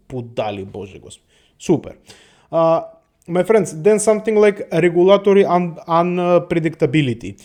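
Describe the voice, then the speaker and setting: This host, a high-voiced man from the Balkans with a dark tone, delivers a rambling, profane monologue to viewers. Laughter comes often, along with his habit of saying "my friends."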